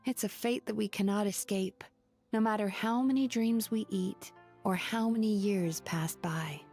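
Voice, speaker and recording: An actress voicing a gentle, wistful female dream-eating spirit who works as a psychologist in a video game, speaking in a measured, reflective way. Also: mid-range voice, faint music behind. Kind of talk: video game character dialogue.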